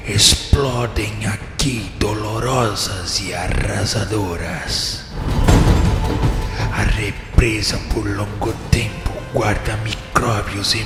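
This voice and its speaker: Slow, merciless judge in cavernous reverb. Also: male voice, medium pitch. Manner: pompous, solemn oratorical declaiming. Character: merciless male judge of the dark netherworld, condemning sinners. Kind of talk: radio drama acting. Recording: long cavernous reverb, music behind. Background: music.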